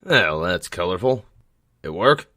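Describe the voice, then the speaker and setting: An actor playing a world-weary older police commissioner in a crime drama, gruff and dryly sardonic. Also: male voice, deep voice, big pitch swings, unhurried, pushed and bright, dry recording, exaggerated voice. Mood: wry, weary. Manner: dry, gruff, musing. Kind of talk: crime audio drama dialogue. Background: background music.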